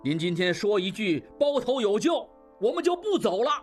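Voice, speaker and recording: A man plays a desperate middle-aged shopkeeper in an audio drama, shouting his pleas to the crowd. His voice sits high and husky and leaps up and down in pitch. Soft music runs underneath. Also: big pitch swings, moderate pace. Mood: pleading. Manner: loud, urgent, beseeching. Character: loud pleading middle-aged male shopkeeper.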